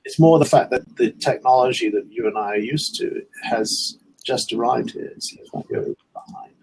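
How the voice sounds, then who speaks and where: An older man from the UK, a guest on a live stream chat, asking questions with halting restarts. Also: medium pitch, creaky, a little mellow, slight background noise, rough recording. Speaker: guest caller. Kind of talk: casual chat. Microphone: video call.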